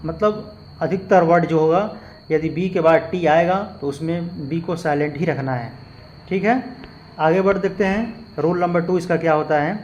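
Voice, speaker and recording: An English teacher gives a spoken lesson, patiently explaining and spelling out example words letter by letter. His voice is on the high side and a little mellow. The lo-fi recording carries slight background noise.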